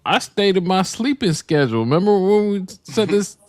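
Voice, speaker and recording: High-voiced, easygoing guy, dry mic, casual sign-off chat. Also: expressive, normal speed, no echo. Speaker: panel guest.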